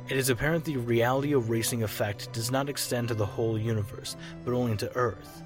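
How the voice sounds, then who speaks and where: A man reading scripted narration in a measured, formal manner and hosting the show's credits. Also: medium pitch. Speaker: narrator and podcast host. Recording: music under the narration.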